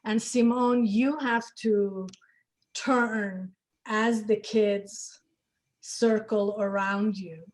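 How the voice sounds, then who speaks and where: A woman interviewer moderating a conversational panel, speaking deliberately with pauses between phrases. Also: mid-range voice, fairly even intonation, a little mellow, poor audio.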